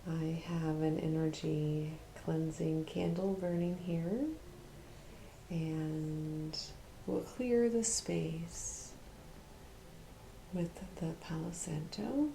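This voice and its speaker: Very slow, hushed, low-voiced woman. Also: fairly even intonation, vocal fry, slight background noise, poor audio. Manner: hushed, soothing, slow with long pauses, at times whispering. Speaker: Reiki practitioner and meditation guide. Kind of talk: ASMR guided meditation.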